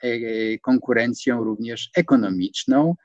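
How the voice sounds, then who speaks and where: A man in his sixties giving an online lecture from a home study, hesitating with many fillers and stressing words with rising pitch. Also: unhurried, dry recording. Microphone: video call. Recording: dull, dry video-call audio.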